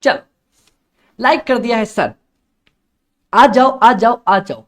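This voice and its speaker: Speaking slowly in a very high-pitched voice, this young man tutors a live-streamed accountancy exam class. He is energetic and coaxing, keeps saying the same phrases over again, and reads out comments from the chat.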